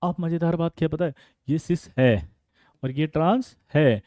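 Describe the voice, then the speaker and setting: High-voiced, playful chemistry teacher. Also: male voice, warm tone, dry recording. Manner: playful, teasing students by name, rapid "jaldi batao" prompts. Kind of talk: energetic online exam-prep lesson.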